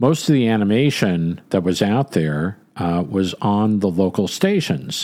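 Speaking at a fairly slow pace, a man with an unremarkable speaking voice keeps a fairly low pitch and ordinary pitch variation. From Brooklyn, New York. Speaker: podcast host, animator. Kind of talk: casual monologue.

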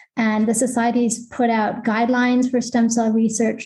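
Speaking at a moderate pace, a woman has a fairly high, somewhat breathy voice with a dark, mellow tone. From Canada. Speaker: neuroscientist. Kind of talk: casual chat. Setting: video call.

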